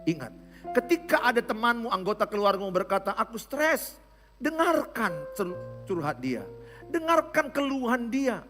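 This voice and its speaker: A man with a high, bright voice and a Medan Indonesian accent preaches in a lively, conversational way, turning to people on stage to coach them. His voice carries a long reverb from a large church hall. Soft guitar music plays underneath. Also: normal speed. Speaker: pastor. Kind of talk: interactive sermon.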